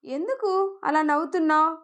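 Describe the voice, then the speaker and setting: A woman's voice: high voice, normal speed, fairly bright tone, voice pushed up. A woman voicing a playful young husband in a story, speaking in a coaxing, affectionate way. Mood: sheepish.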